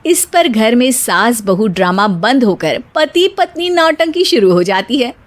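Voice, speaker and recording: A woman giving scripted narration for a cartoon story, steady storytelling. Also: on the high side, unhurried, no room sound.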